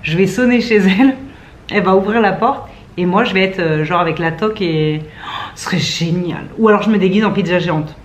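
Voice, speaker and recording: A woman's voice: lowish voice, fairly quick, a little hiss or hum. Playful young French-speaking woman vlogging. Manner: chatty, playful, self-mocking. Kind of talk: casual vlog chat to camera. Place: at home indoors.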